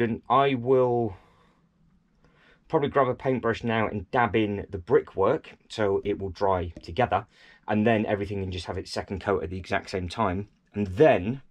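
Pes sesli İngiliz adam, gündelik vlog anlatımı, geveze ve kendiyle dalga geçen. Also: male voice, on the low side. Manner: chatty, self-deprecating, lots of fillers and repeats. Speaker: vlogger. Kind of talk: casual vlog narration while painting and tidying. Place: indoor hobby room at home.

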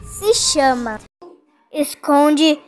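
A woman voicing a menacing, playful giant toy monster in a horror game fan dub, theatrical and drawn-out, with a Brazilian accent. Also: high-pitched, lively intonation, soft background music, exaggerated voice. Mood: sinister.

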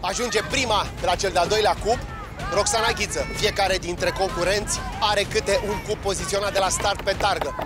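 A man giving live play-by-play commentary on a competition, calling each move quickly. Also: high voice, loud music behind the voice, over a noisy crowd. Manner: rapid, excited calls. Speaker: sports commentator.

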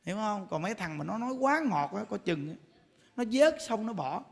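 A man's voice: high-pitched, very animated, a little fast, creaky. A man, a Buddhist monk giving a sermon, telling humorous stories and laughing as he talks. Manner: humorous storytelling, laughs while talking. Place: temple lecture hall. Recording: long hall reverb.

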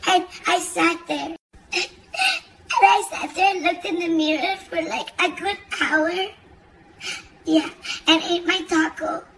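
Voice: very high voice, fairly even intonation, takes it slowly, long pauses, a bit bright, a little hiss or hum, heavily acted, poor audio. A performer voicing a boastful, dramatic Latina woman who mixes Spanish words into English and keeps laughing. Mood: dramatic gossip. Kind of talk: comic character monologue.

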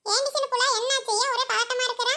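A woman's voice: very high voice, fairly even intonation, quick pace, pushed and bright, full character voice. A woman voicing chatty village women in a cartoon, fussing, gossiping and scolding. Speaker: cartoon character.

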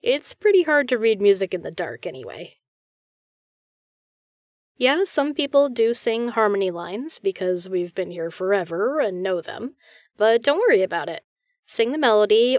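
A woman's voice: mid-range voice, no echo, clean studio sound, close to an everyday voice. A woman playing a friendly, chatty, reassuring female caroler in a one-sided roleplay audio conversation. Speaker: voice actor.

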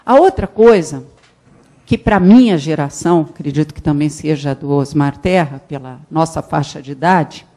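A middle-aged woman from Brazil giving a conference talk on a handheld mic, animated, with frequent restarts and emphatic rises. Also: low-pitched, normal speed. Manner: animated, gestures while speaking, many restarts and emphatic rises. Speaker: conference panelist. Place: conference hall with a panel table.

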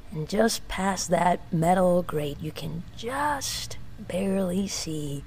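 A woman playing a weary, wry tinkerer in a sci-fi audio drama monologue, speaking in a halting, brooding manner. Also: on the low side, lively intonation, darkish tone, a little hiss or hum. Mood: quiet, resigned. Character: weary, wry young woman tinkerer in a doomed underground city.

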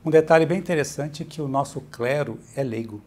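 A middle-aged Brazilian-accented man, a church bishop appearing as an interview guest, explains things patiently in a fairly high, brisk voice, often tacking on "né." His manner stays steady and explanatory. He's indoors in a bright, furnished room, and the audio carries a faint hiss or hum.

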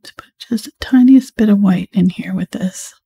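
A woman teaching a live painting tutorial, talking mostly in a soft whisper as she paints. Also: medium pitch, normal speed, gravelly, husky. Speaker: painting instructor.

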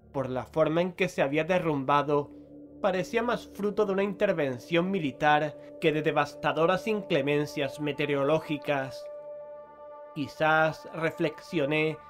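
An actor playing a haunted, foreboding investigator in a horror audio drama, speaking in a solemn, literary way. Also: male voice, fairly high pitch, lightly acted. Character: grim, foreboding male investigator haunted by visions. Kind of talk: Spanish horror audio drama, narration and dialogue.

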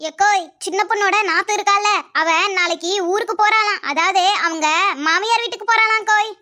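A woman's voice: extremely high pitch, a little fast, pushed and bright. A woman voicing a sly, greedy village gossip in a cartoon dub who teases and eggs others on. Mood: sly, teasing.

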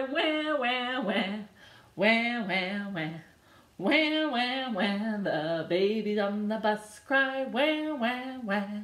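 A woman in her thirties, a children's librarian, singing a picture book for babies at home in a slow, bouncy sing-song with sound effects. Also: medium pitch, roomy sound. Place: living room with a couch and a decorated wall.

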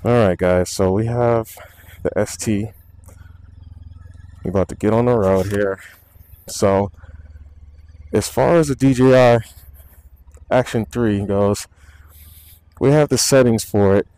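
A young man vlogging casually about his gear while riding a motorcycle, speaking low and easygoing into a wireless mic clipped inside his helmet. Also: takes it slowly, long pauses, clean tone, low-quality recording. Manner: relaxed, rambling, talks low near the mic. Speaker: motovlogger. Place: indoors at home, then riding a motorcycle on city streets. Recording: faint road and wind noise.

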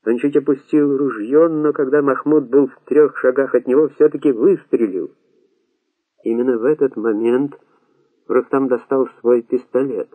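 A male audiobook narrator reads in a steady, dramatic manner at a middle pitch. The recording is thin and narrow, like a phone line. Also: moderate pace, husky, dry recording. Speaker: audiobook reader. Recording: tinny phone-like sound.

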